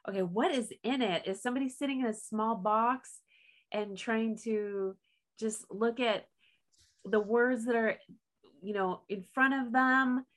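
A woman's voice: fairly high pitch, a little slow, fairly bright tone. A woman hosting an interview, asking friendly, encouraging questions in a casual tone. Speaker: interview host.

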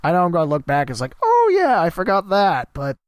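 A man, hosting a solo podcast and rambling casually about announcing gigs, his voice a bit worn from a cough and trailing off quietly at the ends of thoughts. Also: high voice, huge pitch swings, fairly quick, clear, resonant tone. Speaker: podcast host and sports announcer.

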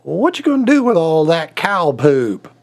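A man's voice: a little high, sing-song, measured pace, heavily acted. A man voicing a cheeky little country boy with a plainspoken, folksy way.

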